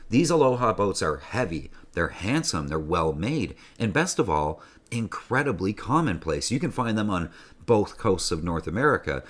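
Deep-voiced man hosting a sailing video. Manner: enthusiastic, joking, conversational. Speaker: sailing channel host. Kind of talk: casual video presentation. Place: small indoor room.

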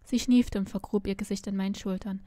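Woman reading a story aloud, mellow. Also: medium pitch, a little fast, dry recording. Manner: expressive first-person narration. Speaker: story reader.

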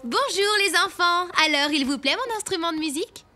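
High-voiced, kindly cartoon schoolteacher. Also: female voice, fairly quick, heavily acted. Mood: cheerful, instructing. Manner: encouraging, animated, addressing small children. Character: kindly, playful adult female nursery school teacher. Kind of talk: children's cartoon voice acting. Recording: loud music behind the voice.

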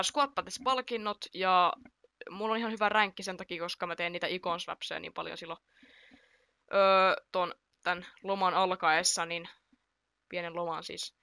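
Woman, casual gameplay commentary, excitable, self-deprecating, bright tone, dry close sound. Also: fairly low pitch, creaky, no room sound. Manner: chatty, excitable, reacts aloud to play, self-deprecating. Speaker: gaming YouTuber.

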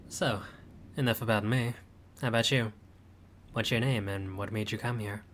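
A man's voice: fairly even intonation, moderate pace, a bit bright, slight background noise, lightly acted. A man voicing a friendly, laid-back male vampire host with dry teasing humor in a roleplay audio. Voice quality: low voice, dry teasing humor, grandly theatrical at times.

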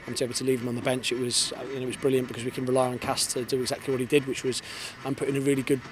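A man in his thirties, a football head coach, giving an earnest post-match interview outdoors on a floodlit pitch into a handheld mic, often repeating words as he starts a sentence. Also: little pitch movement, racing. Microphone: handheld reporter's mic held in front. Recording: outdoor stadium noise behind.

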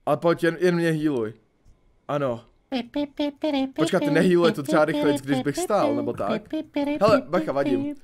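A man's voice: fairly high pitch, sing-song, pauses often. A young man hosting a multiplayer gaming video, frantic and pleading, often laughing. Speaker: gaming channel host. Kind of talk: excited multiplayer gaming chat.

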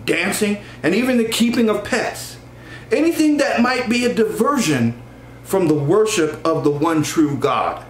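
Middle-aged American male author for a book reading; slightly high voice, deliberate delivery, echoey room. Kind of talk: introducing and reading aloud an excerpt from a novel. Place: small room at home, indoors. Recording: roomy echo, faint background hum.

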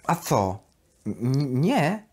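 A woman voicing an earnest six-year-old boy who speaks haltingly, thinking aloud, in a children's audio story. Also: very deep voice, big pitch swings, a little mellow, exaggerated voice. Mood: earnest, hesitant.

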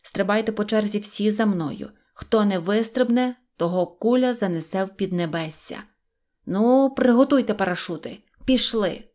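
A clever little boy leader from a storybook gives firm orders to his friends, as a woman narrator plays him. He stays steady and calm, raising his voice to be heard. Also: mid-range voice, moderate pace, hardly any pauses, lightly acted. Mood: commanding. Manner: firm, commanding and loud.

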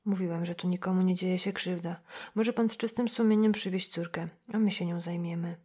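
Kobieta czytająca jako stary ksiądz, szepczący. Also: female voice, steady tone, a little fast, breathy edge. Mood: hushed. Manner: hushed, half-whispered, low. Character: old male priest, calm, insistent.

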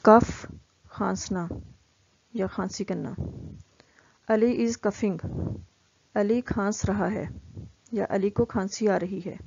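A woman teaching vocabulary, explaining each word and reading the example sentences out very slowly and deliberately. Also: mid-range voice, steady tone, creaky, darkish tone, muffled recording, slight background noise.

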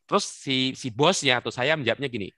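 A man leading an online work-habits workshop, coaxing participants by name in a lively, teasing way over a video call. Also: mid-range voice, fairly quick, no room sound, clean studio sound. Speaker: webinar trainer. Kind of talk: interactive online workshop talk.

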